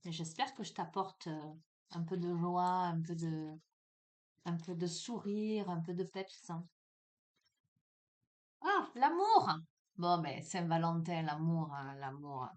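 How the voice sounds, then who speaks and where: A woman giving a casual oracle card reading, chatting with many fillers and laughs and slowing down when she reads the card texts aloud. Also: lowish voice, fairly even intonation, darkish tone. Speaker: tarot and oracle card reader.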